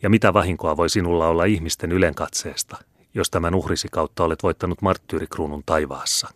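A man's voice: low-pitched, steady tone, fairly bright tone, dry recording, clean studio sound. A man voicing a haughty, domineering older Jesuit superior who speaks in a scornful, commanding way in a storybook reading.

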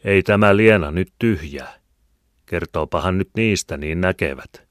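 A man's voice: low-pitched, no echo, studio quality, lightly acted. A man voicing a plain old country farmhand. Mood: matter-of-fact.

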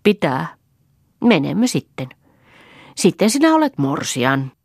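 A woman's voice: low voice, very animated, creaky, darkish tone, slightly rough, no echo, clean studio sound, voice pushed up, full character voice. A woman reading aloud, voicing an earnest little country boy who coaxes his playmate. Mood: eager.

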